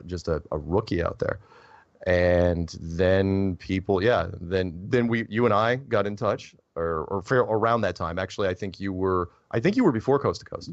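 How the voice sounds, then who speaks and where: A man's voice: deep voice, no room sound. A man guest in a casual conversation, telling rambling anecdotes and acting out what people said. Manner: rambling anecdotes with animated quoted voices. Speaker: podcast guest. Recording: dull dry recording.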